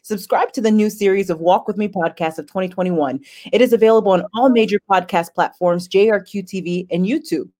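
A woman's voice: mid-range voice, fairly quick, warm tone. A woman hosting a podcast, reading an upbeat scripted intro and asking her guest questions. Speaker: podcast host.

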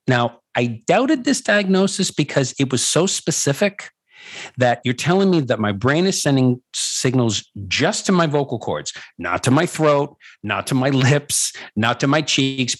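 A middle-aged man telling his own story conversationally as an interview guest, emphatic and repeating phrases for effect. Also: medium pitch. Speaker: guest, voice-over coach and former voice actor.

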